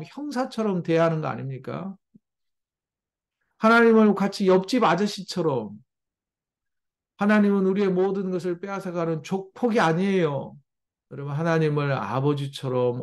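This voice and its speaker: Brief: male pastor, sermon delivery, gravelly edge, slightly raised pitch, emphatic and pleading. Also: moderate pace. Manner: emphatic, acts out pleading quotes, addresses congregation often.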